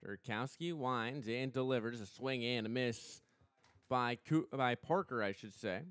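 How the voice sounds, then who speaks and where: A young American man doing live radio play-by-play commentary of a softball game as the announcer. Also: mid-range voice, smooth, no echo, clean studio sound. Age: young adult. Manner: measured between plays, excited on big plays.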